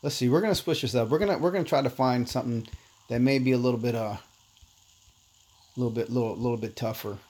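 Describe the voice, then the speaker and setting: Man, korean-born, first language korean, laid-back, chatty game streamer, mid-pitched voice. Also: fast talker, long pauses, darkish tone. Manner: laid-back, chatty, calls viewers "man", reads chat aloud. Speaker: livestream host. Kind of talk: casual gameplay livestream chat.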